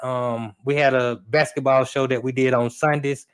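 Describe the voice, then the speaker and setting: A man, a sports radio producer and host, talking in a relaxed way with fillers and repeats as a guest. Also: medium pitch, moderate pace, clear, resonant tone. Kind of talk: casual storytelling chat.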